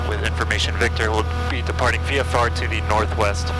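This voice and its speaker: A man speaking at a fairly quick pace, music in the background, dry sound with no echo. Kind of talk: radio calls and casual vlog remarks. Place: plane. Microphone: headset.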